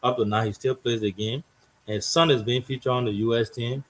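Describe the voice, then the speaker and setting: A man's voice: mid-range voice, fairly even intonation, a little fast. A man hosting a political talk show, speaking in a loose, conversational way and thinking aloud as he goes.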